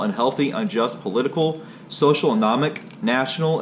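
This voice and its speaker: A man's voice: medium pitch, slight background noise. A man narrating a history read aloud from a text, in a stilted way that is unsure on hard words.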